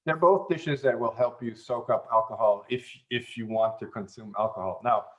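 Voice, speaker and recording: A man who grew up in German-speaking Europe, chatting as an interview guest in an unhurried way, with many fillers and restarts. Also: mid-range voice, lo-fi sound. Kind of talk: casual interview chat.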